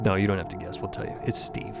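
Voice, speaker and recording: A man's voice: low-pitched, little pitch movement, fast talker, gravelly. A man narrating a scripted drama podcast in a theatrical storytelling style. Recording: loud music under the voice. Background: music.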